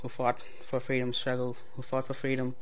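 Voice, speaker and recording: A man's voice: mid-range voice, monotone, fairly quick, slight background noise. A young adult man from Tamil Nadu with a South Indian accent and Tamil as his first language, speaking in an explanatory way. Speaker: student speaker. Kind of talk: read passage, then unscripted personal account.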